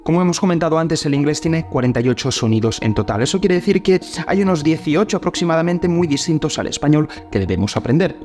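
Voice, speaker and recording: A man's voice: a little high, animated, quick pace, hardly any pauses, a little mellow, faint music behind. Emphatic man giving tips. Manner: emphatic, direct address to viewers. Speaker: host. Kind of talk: explaining language-learning tips.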